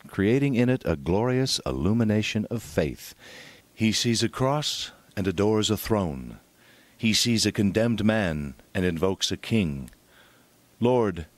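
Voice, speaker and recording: A man's voice: fairly low pitch, no room sound. A man reading a devotional sermon aloud in a solemn, dramatic, oratorical manner. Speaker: reader of a devotional book.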